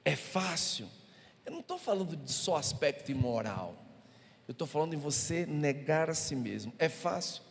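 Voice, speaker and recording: A man's voice: on the high side, big pitch swings, normal speed, gravelly. A male pastor with a Brazilian Portuguese accent, preaching a sermon and telling humorous stories to the congregation. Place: church hall. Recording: reverberant church hall.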